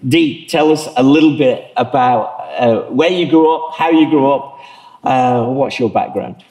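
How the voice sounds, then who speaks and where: A man hosts an interview during a church service, asking gentle, encouraging questions at a middling pitch. He often repeats and sums up what his guest says before moving on. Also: unhurried, rough recording.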